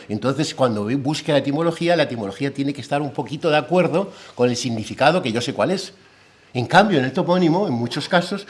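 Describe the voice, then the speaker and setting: A man with a Peninsular Spanish accent gives an academic lecture as a philologist. He explains patiently and keeps checking in with his listeners through rhetorical tag questions. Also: mid-range voice. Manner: lively, with a humorous anecdote.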